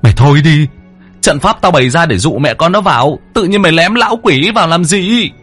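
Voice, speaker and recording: A man's voice: on the high side, lively intonation, a little fast, a bit bright, husky, faint music behind, voice pushed up. Man doing an exasperated scolding exorcist.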